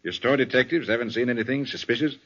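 An actor playing a brisk, confident private detective in a 1940s radio crime drama, firing probing questions. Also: male voice, medium pitch, fairly bright tone, close to an everyday voice. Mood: businesslike. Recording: dull, lo-fi old radio recording.

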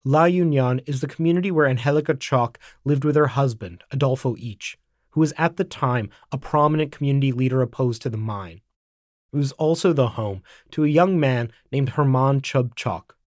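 A man narrating an investigative report in scripted, measured form. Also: medium pitch, no echo, studio quality. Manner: measured, even delivery. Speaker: documentary narrator.

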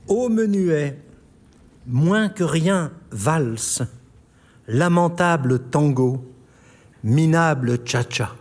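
A man's voice: on the high side, expressive, drawn-out words, pauses often, darkish tone. A man co-hosting, reading out word puzzles with playful asides.

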